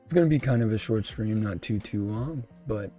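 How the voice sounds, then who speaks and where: A man chatting casually on a live stream, his voice hoarse and fading. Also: lowish voice, moderate pace, dark tone, soft background music. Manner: laid-back, clears throat often.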